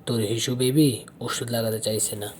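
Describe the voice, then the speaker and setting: A caring young woman who coaxes and comforts, her tone soft and affectionate, as a male narrator puts her on. The voice stays at the reader's middle pitch with only a slight lift. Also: fairly even intonation, moderate pace, a little hiss or hum, natural voice. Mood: gentle. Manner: soothing, affectionate. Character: caring young woman, older sister figure.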